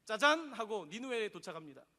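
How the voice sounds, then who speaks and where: Bright-voiced pastor preaching a sermon. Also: male voice, high-pitched, fairly quick. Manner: lively storytelling, leads the congregation in reading. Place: church sanctuary. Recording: long reverb in a church hall.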